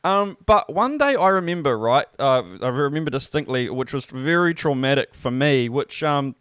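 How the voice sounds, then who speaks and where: A man's voice: a little high, expressive, normal speed, fairly bright tone, smooth, no room sound, clean studio sound. A man in his thirties with a New Zealand accent, hosting a podcast with sweary, joking, laid-back banter and casual storytelling. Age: 30s. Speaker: podcast host.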